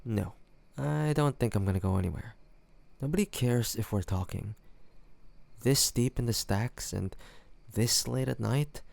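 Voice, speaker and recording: Young male academic rival, acted by a man: cocky teaser, slow-paced, gravelly delivery, audio roleplay. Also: mid-range voice, darkish tone. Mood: teasing, suspicious. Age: young adult. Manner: mocking, teasing, playful.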